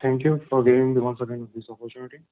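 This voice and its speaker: A man with an Indian accent asking questions as a caller, halting and repeating himself. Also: mid-range voice, level tone. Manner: halting, repetitive. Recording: choppy, crackly phone line.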